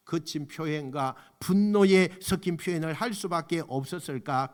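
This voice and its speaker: Male pastor, high-pitched voice, passionate sermon, soft asides to loud exhortation, church sanctuary. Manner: leads congregation in unison scripture reading.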